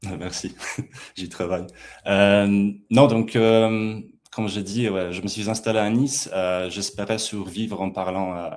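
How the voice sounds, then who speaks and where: Very slowly and with fairly even intonation, a man speaks in a fairly low voice. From Poland. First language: Polish (speaking French). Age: 30s. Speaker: language learner. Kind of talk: interview. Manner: hesitant, many fillers.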